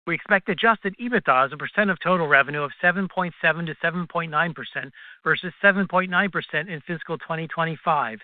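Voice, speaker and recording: A fairly high-pitched male finance executive speaks over a thin, phone-like connection. He reads a scripted financial presentation in a formal, measured manner, as on an earnings call. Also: no echo. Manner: formal, measured reading of prepared remarks. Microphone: conference call line. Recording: tinny, dry phone conference line.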